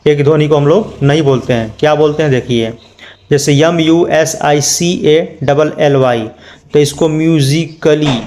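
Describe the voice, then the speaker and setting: A man's voice: a little high, darkish tone. A man teaching an English pronunciation lesson, spelling words out letter by letter and asking his students questions. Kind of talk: spoken lesson.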